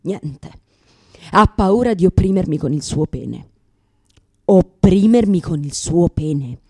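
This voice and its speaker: A woman's voice: on the low side, animated, slow, dark tone, slightly rough, full character voice. A woman performing a theatrical comic monologue as a brash, neurotic lesbian comedian, sardonic, exclamatory, crude and self-mocking. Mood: exasperated, brash.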